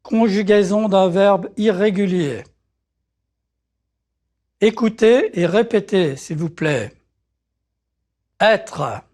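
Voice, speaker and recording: A speaker giving slow, carefully articulated French words and drills for learners to repeat. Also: medium pitch, darkish tone. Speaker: French pronunciation model speaker. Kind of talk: slow drilled language-lesson prompts.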